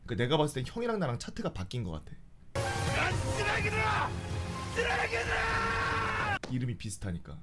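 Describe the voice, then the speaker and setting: A young man telling a funny story in a casual, animated way, often shouting and wailing as he acts out the scenes. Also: mid-range voice, very fast, few pauses, loud music behind the voice. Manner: animated, shouts and wails while acting out scenes.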